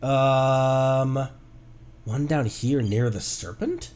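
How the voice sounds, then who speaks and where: A man's voice: medium pitch, drawn-out words, darkish tone. A man doing casual live game commentary, rambling and muttering playfully to himself as he streams. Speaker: streamer, VTuber host. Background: game music.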